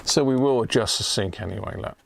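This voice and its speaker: A man's voice: lowish voice, brisk, vocal fry. A man giving casual live commentary as he does electronics repair, chatting and half muttering to himself while he works.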